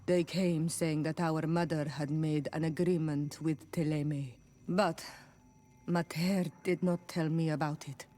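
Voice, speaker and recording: An actress playing a grave, careful tribal woman, a queen's daughter, in a video game, speaking solemnly and deliberately. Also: low voice, fairly even intonation, dark tone. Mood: troubled. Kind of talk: video game cutscene acting. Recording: background music under the voice.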